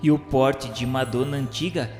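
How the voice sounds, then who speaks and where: A man's voice: mid-range voice, fairly even intonation, normal speed, a little mellow. A man reads a formal, reverent literary narration in a solemn scripted style. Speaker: narrator of a spiritist radio novela. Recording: echoey reverberant hall sound, music underneath. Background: music.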